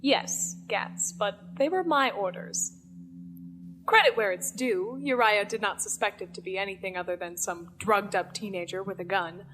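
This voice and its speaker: An actress playing a cold, commanding villain in an audio drama, measured and menacing in manner. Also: female voice, medium pitch, fairly bright tone, slight background noise, close to an everyday voice, poor audio. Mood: controlled, smug. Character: cold, commanding female villain, leader of conspirators.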